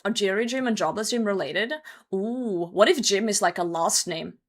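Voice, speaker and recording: A woman's voice: medium pitch, normal speed. A young woman who is hungover, casually chatting with her live stream and commenting on gameplay, with some swearing. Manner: sweary, reacting to chat and game. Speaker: game streamer.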